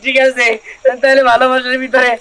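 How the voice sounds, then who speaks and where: A man's voice: very high-pitched, monotone, brisk, creaky, bright, forceful tone, clear, resonant tone, full character voice. A man playing a wailing jilted young groom. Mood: complaining. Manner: whiny, lamenting. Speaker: actor in a village comedy short film. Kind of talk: rural comedy drama acting.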